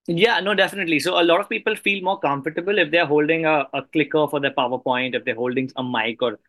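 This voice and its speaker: Higher-pitched enthusiastic man hosting, dry sound. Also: fast, bright, forceful tone, no room sound. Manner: enthusiastic, appreciative. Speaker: podcast host. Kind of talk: conversational interview hosting.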